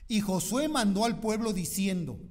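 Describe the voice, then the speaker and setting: A man's voice: high-pitched, lively intonation, normal speed, darkish tone, big-room sound. A male pastor preaching, reading scripture dramatically and constantly prompting his congregation with short questions. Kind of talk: sermon. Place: church hall.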